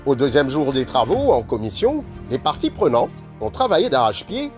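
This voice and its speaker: A man's voice: medium pitch, wildly swooping pitch, normal speed. A man reading scripted news narration as a reporter. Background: music bed.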